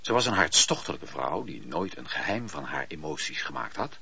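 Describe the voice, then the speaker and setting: A man's voice: very deep voice, sing-song, normal speed, creaky, sharp tone, slightly rough, heavily acted. A man narrating a historical radio drama as an all-knowing, literary storyteller. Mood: measured, dramatic. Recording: dull lo-fi radio play recording.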